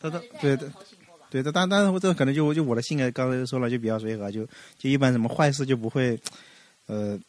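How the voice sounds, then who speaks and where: At a very fast pace, a man speaks with long, frequent pauses. His pitch is medium, with ordinary variation. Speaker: podcast guest. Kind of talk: casual chat.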